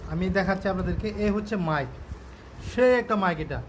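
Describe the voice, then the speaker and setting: Fast, high-pitched Bangladeshi salesman. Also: expressive, slight background noise. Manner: repetitive, step-by-step explaining. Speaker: shop seller presenting a product on his channel. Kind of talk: casual product demonstration and sales pitch.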